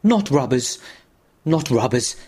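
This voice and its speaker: A man's voice: mid-range voice, very animated, unhurried. A man voicing a frightened traveler in a spooky storybook reading, pleading and panting in terror. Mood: terrified. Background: music.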